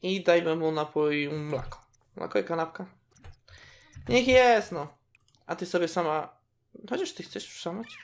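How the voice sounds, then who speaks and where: This gaming video host speaks in a lowish, slightly slow voice with frequent pauses. She chats casually about her game as she plays, talking to her characters, reacting to what happens, and squealing at the cute moments.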